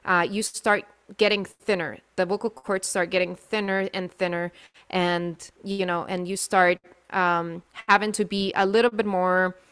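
Young female vocal coach, chatty webinar host, smooth voice, dry webcam sound. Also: mid-range voice, a bit bright, no room sound. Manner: chatty, many fillers and restarts. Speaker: singing teacher hosting a webinar. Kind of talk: live webinar talk. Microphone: webcam mic on video call.

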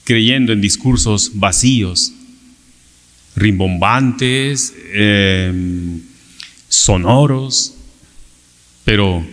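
Slow-preaching priest in a church. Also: male voice, on the low side, a bit bright. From Peru. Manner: slow, measured preaching with gestures and rhetorical questions. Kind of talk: homily at Sunday Mass. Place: large church, at a pulpit. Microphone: pulpit microphone on a stand. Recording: long church reverb.

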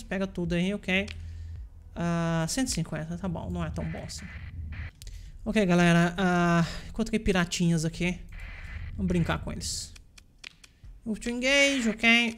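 A woman with a Brazilian Portuguese accent hosting a let's play, chatty and playful, teasing the enemies out loud as she plays. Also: medium pitch, slight background noise. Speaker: gaming channel host.

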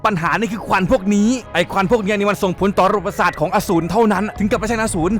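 Fast, high-voiced male recap narrator. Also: faint music behind. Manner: excitable, crude and joking. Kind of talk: casual spoiler recap narration.

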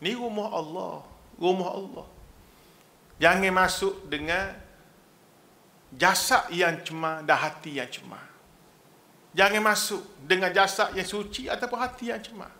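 High-voiced Kelantanese man preaching animatedly. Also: unhurried, long pauses. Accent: Kelantanese Malay. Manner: animated, mixes humour with exhortation. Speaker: religious preacher. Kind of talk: religious lecture.

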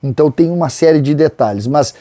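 A man's voice: on the high side, a little fast, dark tone, no echo. A middle-aged man from Rio do Sul hosts opinionated football commentary straight to camera in a small studio, speaking conversationally into a lapel mic and stretching out key words for emphasis. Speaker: sports commentator and host. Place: small studio with a branded backdrop, indoors.

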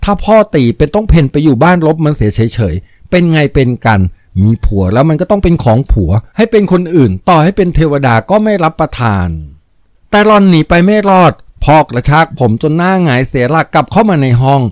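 A man narrating a novel aloud in a steady, vivid storytelling manner. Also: fairly high pitch, fairly quick, no room sound, studio quality. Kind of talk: dramatic novel reading.

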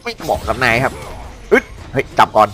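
A man giving excitable, joking commentary while playing an action game. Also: medium pitch, a little fast. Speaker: gameplay commentator. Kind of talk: let's play commentary.

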